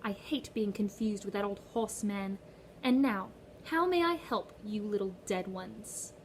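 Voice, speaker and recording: A woman voicing Charon, a smooth, cold male ferryman of the dead with a British-tinged foreign accent, in a condescending drawl. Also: mid-range voice, measured pace, slight background noise, natural voice, rough recording. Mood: disdainful.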